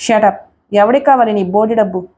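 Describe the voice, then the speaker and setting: A woman's voice: mid-range voice, moderate pace, mellow, natural voice. A woman reading a stern righteous hero. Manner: firm, scolding. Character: brave young male hero, righteous and stern.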